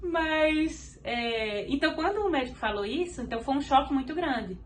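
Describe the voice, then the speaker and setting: A woman's voice: sits high, expressive, normal speed, a little hiss or hum. A woman from Brazil with a Brazilian Portuguese accent, a podcast guest giving an earnest faith testimony and acting out what others said.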